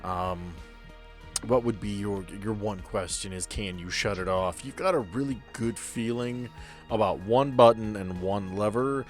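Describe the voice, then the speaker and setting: A man's voice: fairly low pitch, a little slow, faint music behind. A man narrating a tabletop role-playing game as game master in an improvised, conversational way. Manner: casual, conversational.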